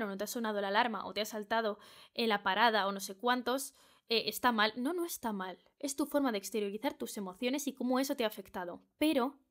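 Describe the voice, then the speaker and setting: A young woman with a Spain Spanish accent talks through a solo advice podcast, her voice sitting a little on the high side. She is earnest and direct, often repeating a phrase two or three times to drive it home. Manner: earnest, repeats phrases for emphasis, speaks straight to the listener. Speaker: podcast host.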